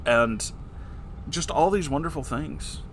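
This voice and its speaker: This YouTube host answers listener questions in a relaxed, meandering chat, teasing himself and his audience fondly. His voice sits on the high side with lively intonation and a slow pace, recorded off-camera at a desk with slight background noise.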